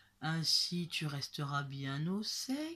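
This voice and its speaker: A woman puts on a character voice pitched fairly low. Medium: read story. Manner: smooth, persuasive.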